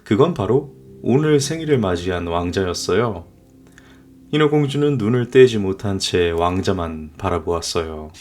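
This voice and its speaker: Low, expressive man telling bedtime tales. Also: normal speed, a little hiss or hum. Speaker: storyteller, father. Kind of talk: scripted bedtime fairy-tale narration.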